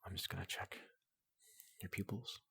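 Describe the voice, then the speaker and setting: A man voicing a tall, gentle robot doctor in soft ASMR roleplay, hesitant and politely clinical, often slipping into a whisper, close to the microphone. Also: moderate pace, close to an everyday voice. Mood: calmly clinical. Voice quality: breathy, gravelly, often dropping into whisper.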